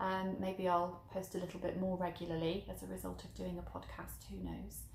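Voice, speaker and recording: Audible room echo and noticeable background noise surround a woman speaking. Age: 30s. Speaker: craft podcaster and sewing teacher. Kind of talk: casual vlog monologue. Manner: hesitant, many fillers.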